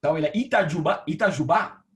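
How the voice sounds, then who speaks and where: A man's voice: fairly high pitch, a little fast. A man with an Italian accent, a telecom engineering director answering interview questions over a video call, often repeating words and restarting as he explains. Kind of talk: interview answers on a live stream.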